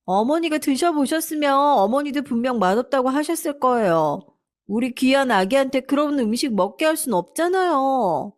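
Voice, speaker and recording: A spoiled young wife snaps and sneers in a bright, high voice, as a woman reader puts her on. She is scornful and bossy throughout, a storybook villain. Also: expressive, normal speed. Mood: petulant.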